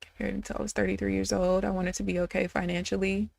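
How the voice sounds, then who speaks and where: A woman's voice: medium pitch, level tone, fast, creaky, darkish tone, no room sound, studio quality. Candid woman in her thirties, chatty trader. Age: 30s. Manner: candid, chatty, talks straight to viewers. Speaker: day trader streaming live. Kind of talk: casual live-stream chat.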